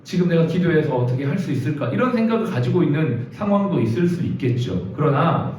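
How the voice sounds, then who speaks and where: A man's voice: a little high, sing-song, fast, darkish tone. A man preaching a sermon in a hospital chapel, earnest and storytelling, acting out the voices of people he quotes. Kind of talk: sermon with personal testimony. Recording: very echoey, distant, dull, faint noise.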